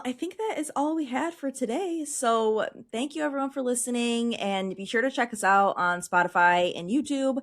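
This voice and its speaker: A woman hosting a casual movie podcast, giggling often and steering the talk. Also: fairly high pitch. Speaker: podcast host.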